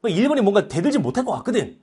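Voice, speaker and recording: Excitable, fast-talking male history teacher. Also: high-pitched, breathy edge. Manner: animated, playful, puts on mock foreign voices. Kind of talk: lively lecture with comic voices.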